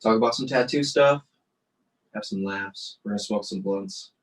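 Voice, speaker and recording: A man's voice: on the low side, moderate pace, far from the mic, rough recording. A man co-hosting a podcast in casual chat, laid-back and slangy with "uh" fillers. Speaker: podcast co-host.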